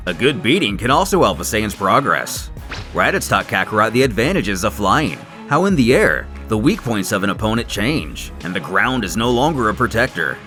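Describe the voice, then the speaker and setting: Guy doing dramatic scripted narration, really animated and theatrical, bright punchy voice over music. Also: mid-range voice. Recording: music under the voice.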